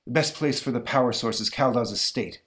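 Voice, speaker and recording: A man's voice: medium pitch, a little fast, fairly bright tone, lightly acted. Man as comic-book superhero, confident, resolute, earnest, declamatory.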